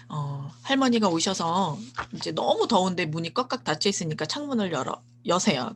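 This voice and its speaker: A woman in her thirties gently retells a picture book for other parents. Her voice is low and breathy-husky, and she talks slowly and softly, now and then sinking into a half-whisper. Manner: gentle, slow storytelling, at times half-whispered. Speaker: picture book reading educator.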